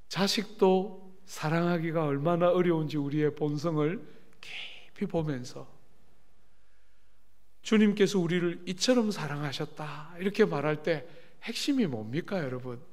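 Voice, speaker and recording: Man preaching a revival sermon, middle-aged, fairly high voice, lively storytelling, asks the congregation questions. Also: a little slow. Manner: animated storytelling with asides to the congregation. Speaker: pastor. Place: church sanctuary.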